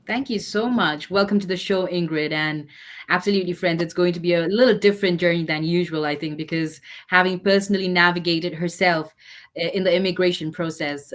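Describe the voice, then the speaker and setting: A woman hosting a webinar interview, upbeat, often turning to address the audience as friends. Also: on the low side. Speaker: webinar host.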